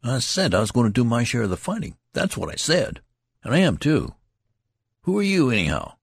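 Brash young country soldier, boastful and quick to take offence, pitched high and swinging wide, a man doing the voice for an audiobook. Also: big pitch swings, creaky, husky, dry recording, studio quality, full character voice. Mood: indignant. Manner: country dialect, boastful and indignant. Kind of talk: audiobook character reading.

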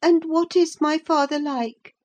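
A woman's voice: high voice, fairly even intonation, a little slow, a little mellow, voice pushed up. A woman voicing a frail, fretful young boy who asks plaintive questions in a storybook reading. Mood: curious.

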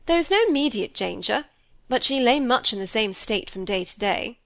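A woman's voice: a little high, expressive, moderate pace, a bit bright, no echo. A woman voicing a fussy, self-pitying middle-aged stepmother who complains and talks over others, with a dry, close sound. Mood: peevish.

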